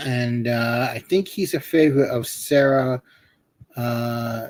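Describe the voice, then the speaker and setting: In a New England accent, a man speaks at a very slow pace with a medium pitch and ordinary pitch variation. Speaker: live stream host. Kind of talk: casual chat. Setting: live stream. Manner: halting.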